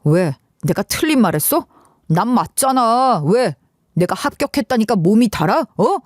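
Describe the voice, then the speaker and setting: A cold, arrogant young man, put on by a woman narrator in a dramatized radio story. He drawls his words with sneering contempt, his voice sitting at an ordinary middle pitch. The recording is dry and close. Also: lively intonation, moderate pace, a little mellow, dry recording, lightly acted.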